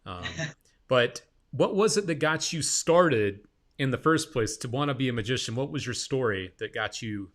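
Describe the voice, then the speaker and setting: A man's voice: mid-range voice, animated, moderate pace. A man hosting a casual interview, talking in an informal, effusive and slangy way. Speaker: interviewer, show host.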